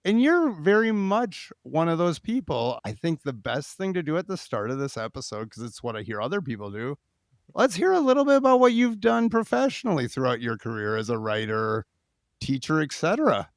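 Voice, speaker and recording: Male podcast host, slightly high pitch, very lively intonation, informal, chatty, thinking aloud. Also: a little fast, dry recording. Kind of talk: casual podcast interview hosting.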